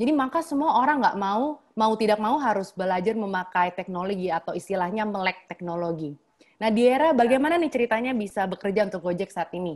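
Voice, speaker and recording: The speaker talks at a very fast pace with lively intonation. The background is quiet. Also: woman, medium pitch for a woman. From Indonesia. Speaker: moderator, school alumnus; moderator. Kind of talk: panel discussion moderation; moderating panel talk. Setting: video call. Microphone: earbuds.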